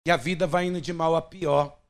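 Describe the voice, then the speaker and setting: A man's voice: a little high, fairly even intonation, fairly quick. A man preaching an emphatic, dramatic sermon as pastor.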